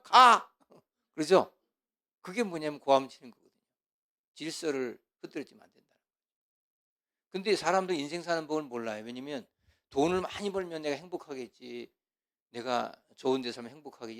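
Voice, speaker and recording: Animated Korean pastor preaching. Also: male voice, medium pitch. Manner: animated, full of rhetorical questions, swings from loud to hushed. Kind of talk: sermon lecture.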